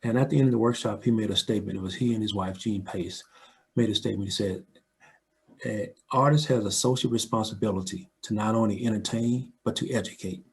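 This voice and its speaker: Older American man, low-pitched, reflective interview guest with a conversational storytelling manner. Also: steady tone, fairly quick. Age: older, 60s or above. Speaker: audio dramatist and filmmaker, interview guest.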